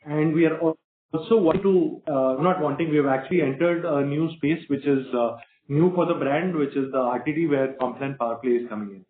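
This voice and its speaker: A man answering questions as a company executive in a halting, measured corporate manner. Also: a little high. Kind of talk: earnings call answers. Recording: roomy, band-limited conference phone line.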